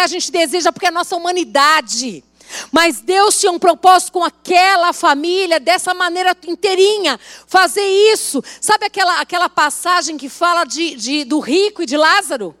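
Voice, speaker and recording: A woman pastor with a very high-pitched, somewhat bright voice preaches a sermon at a women's church service. She tells a story in a chatty manner and puts questions to the congregation.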